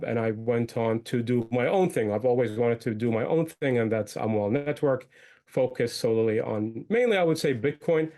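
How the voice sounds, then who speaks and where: Guy being interviewed, medium pitch, chatty but explains stuff step by step. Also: darkish tone. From born in Iraq, moved young to the United States. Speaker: guest, entrepreneur and podcaster. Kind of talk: conversational interview answers.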